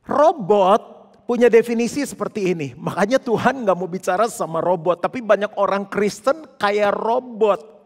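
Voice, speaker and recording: A male pastor preaching a sermon in a lively, conversational way with playful asides. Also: high voice, normal speed. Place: church hall. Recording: long church hall reverb.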